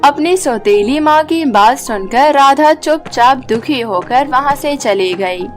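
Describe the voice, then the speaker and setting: A woman's voice: high voice, expressive, slow pace, faint music behind. A woman storyteller giving scripted narration for a cartoon moral story.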